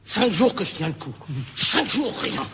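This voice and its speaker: A desperate smoker, pleading and stammering, his high voice swinging wildly. An old comic sketch recorded with a long reverb and faint hiss. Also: very animated, measured pace. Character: desperate middle-aged male smoker begging for a cigarette.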